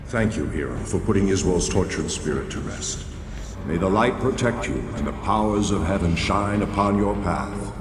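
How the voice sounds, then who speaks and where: An actor voicing a noble, grave archangel in a dark fantasy game, speaking in a stately, formal and commanding way. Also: male voice, deep voice, lively intonation, normal speed, music in the background. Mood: solemn gratitude. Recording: echoing long hall reverb, noisy ambience.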